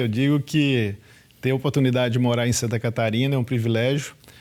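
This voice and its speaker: In a Minas Gerais accent, a man talks at a fairly quick pace and a medium pitch. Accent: mineiro. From Minas Gerais, Brazil. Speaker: business consultant and board member. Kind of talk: TV interview.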